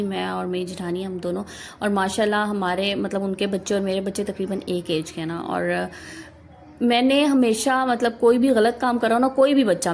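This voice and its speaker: A woman's voice: mid-range voice, a little hiss or hum. A woman in her thirties from Pakistan, speaking with a Pakistani Urdu accent, gives earnest, instructive family advice straight to her viewers in a casual vlog. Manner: earnest, instructive, addresses viewers directly with frequent rhetorical "na". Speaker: housewife vlogger. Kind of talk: advice talk to camera.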